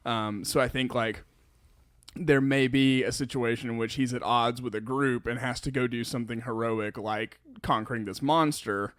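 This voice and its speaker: A man co-hosting a podcast in casual discussion, thinking aloud in halting, broken phrases. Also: fairly low pitch, fairly bright tone, no room sound, studio quality. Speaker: podcast co-host.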